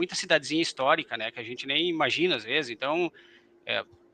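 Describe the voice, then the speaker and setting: A man's voice is fairly high, with a bright, sharp tone and lively intonation. The sound is dry and close, with no echo. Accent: southern Brazilian. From Rio Grande do Sul, Brazil (Charrua). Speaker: mechanical engineer, emigrant interviewee. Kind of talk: interview.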